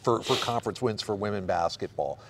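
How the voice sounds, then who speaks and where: A man's voice: fairly low pitch, a little fast. A man hosting a sports radio show, interviewing a coach and recapping recent games.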